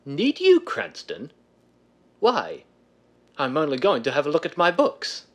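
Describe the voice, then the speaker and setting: A man's voice: on the high side, huge pitch swings, unhurried. An actor playing a genteel, fussy older businessman who speaks formally, in 1930s radio style. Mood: puzzled, polite. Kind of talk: 1930s radio drama acting.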